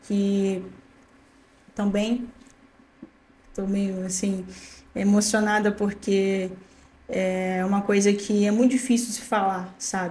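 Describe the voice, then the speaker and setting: A woman with a rural Brazilian accent speaks very slowly in a medium-pitched, dark and mellow, somewhat breathy voice, with monotone, flat intonation and long, frequent pauses. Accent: rural countryside Brazilian. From Brazil, rural Rio de Janeiro state (Paty do Alferes). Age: 20s. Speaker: barber and evangelist. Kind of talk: testimony.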